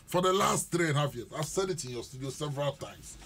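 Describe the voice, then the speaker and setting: Forceful Ghanaian man arguing on radio. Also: a little high, expressive, quick pace, vocal fry, slight background noise. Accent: Ghanaian English. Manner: forceful, emphatic, talks over others. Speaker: panelist. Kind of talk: heated political radio debate. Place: radio studio. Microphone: studio mic on boom.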